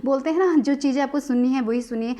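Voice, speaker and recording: Woman with a higher voice giving reassuring card-reading advice. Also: quick pace, mellow. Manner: mixes English words and phrases into her sentences; reassuring and advising, with frequent filler checks. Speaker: tarot card reader. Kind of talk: casual intuitive card reading to viewers.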